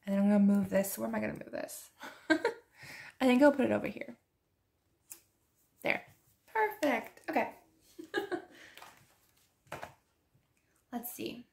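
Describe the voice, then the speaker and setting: A woman chatting casually while she decorates a planner, soft-spoken and drifting into whispers, laughing often, her voice hoarse as she loses it. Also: a little high, very animated, slow pace, pauses often. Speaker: planner and journaling vlogger.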